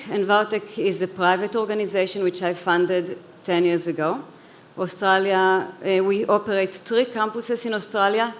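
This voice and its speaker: Her voice sits on the low side, and there's slight background noise. She's a panelist heading an education organization, raised in Israel, speaking earnestly in a conference hall with a few restarts and repeated words.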